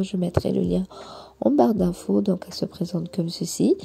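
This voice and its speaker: A woman reviewing nail gels and narrating a nail tutorial, hesitant with many fillers and soft half-whispered asides. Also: mid-range voice, gravelly, slightly rough. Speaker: nail artist reviewing products. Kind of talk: product review and tutorial voice-over.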